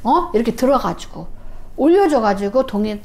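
A woman shaman recounts her experience in a high, lively voice that swings widely in pitch. She talks animatedly and acts out the voices of others as she tells the story, and a faint background noise sits under her voice. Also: normal speed. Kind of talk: storytelling in an interview.

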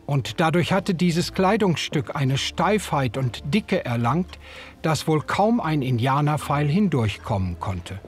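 A man narrating a radio drama in the first person, in a measured, old-fashioned storytelling manner. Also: on the high side, very animated, soft background music. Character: young German man recalling the past. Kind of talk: scripted audiobook narration.

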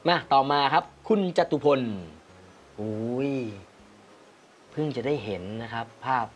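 A man's voice: mid-range voice, measured pace, soft background music. A man hosting a casual photography-critique livestream, reading viewer comments aloud and laughing often. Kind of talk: casual live chat reviewing viewer photos.

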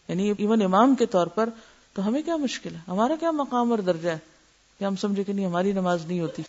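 A woman's voice: fairly high pitch, darkish tone. A woman giving a religious lecture as a teacher, explaining terms and asking her listeners rhetorical questions. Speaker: Islamic teacher. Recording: muffled lo-fi lecture recording.

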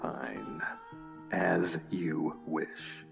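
A man's voice: a bass voice, fairly even intonation, very slow, creaky, exaggerated voice. An actor playing a sullen, grudgingly obedient criminal henchman in an audio drama. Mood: sulky, curt. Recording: long reverberant space, faint music underneath.

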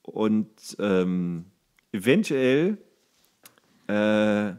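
A man's voice: on the low side, big pitch swings, extremely slow, a little mellow, smooth. A man co-hosting a podcast in casual chat, joking and teasing, laughing at his own jokes. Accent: German. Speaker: podcast co-host.

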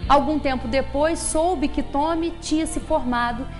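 A woman reading a story aloud in a measured way, seated at a table in a small meeting room. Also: sits high, over music. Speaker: speaker at a spiritist center.

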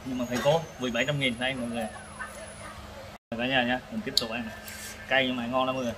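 A man hosts a casual food review from a noisy open-air restaurant. His pitch is average, and he talks haltingly between bites, searching for words and repeating himself. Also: flat delivery. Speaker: food vlog host. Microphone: camera across the table. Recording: noisy eatery ambience, traffic.

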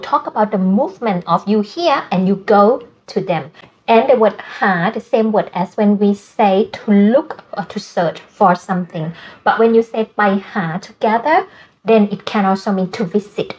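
A woman with a Thai accent, a native Thai speaker, teaching a language lesson and slowly repeating words. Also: mid-range voice, animated, darkish tone, dull audio. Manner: slow, careful repetition of Thai words.

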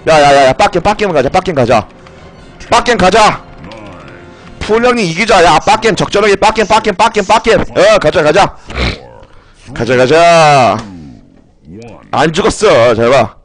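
A man streaming a game live, excitedly shouting orders at his teammates and breaking into mock-grand commands. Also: sits high, moderate pace, pauses often, soft background music. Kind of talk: live gameplay commentary. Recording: noisy game audio behind.

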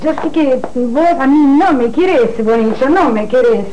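A woman's voice: sits high, animated, unhurried, dull audio, over music. A woman playing a cunning, insistent gypsy fortune-teller in a telenovela. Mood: coy. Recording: noisy old TV broadcast recording.

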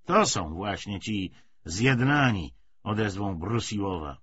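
A man's voice: fairly low pitch, lively intonation, slow, fairly bright tone. A man reading an audiobook, voicing a weary, cynical, persuasive Bolshevik official with emphatic, hesitating, rhetorical speech. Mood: confiding. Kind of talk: dramatised audiobook dialogue. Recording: dull lo-fi audio, faint noise.

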